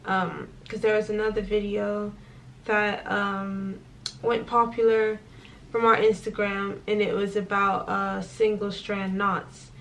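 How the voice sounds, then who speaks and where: A woman's voice: medium pitch, flat delivery, slow, creaky, fairly bright tone, distant mic, slight background noise. A young woman vlogging in casual chat, talking with many fillers and acted quotes, in a small indoor room. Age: young adult.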